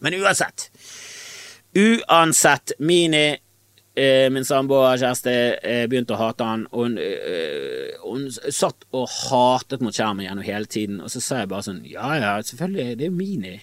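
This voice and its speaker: A man's voice: mid-range voice, a bit bright, dry recording. A man hosting a casual solo podcast, rambling and opinionated and swearing freely. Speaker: podcast host. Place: small storage room.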